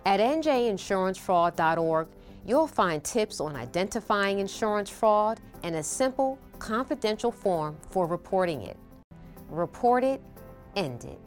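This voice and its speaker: A woman official reading a scripted public service announcement in a measured tone. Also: medium pitch, sing-song, faint music behind.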